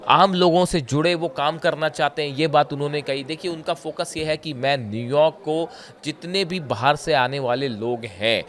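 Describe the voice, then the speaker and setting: A hoarse man giving conversational news commentary straight to his viewers, pausing often and pointing things out as he explains. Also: fairly high pitch, fairly bright tone. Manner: conversational, often says "dekhiye", frequent filler pauses.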